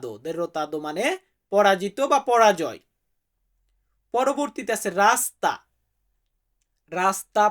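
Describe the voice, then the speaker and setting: A man from Bangladesh, teaching vocabulary to viewers and repeating each word so they can say it back. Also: high-pitched. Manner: friendly, calls viewers brother. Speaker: language teacher.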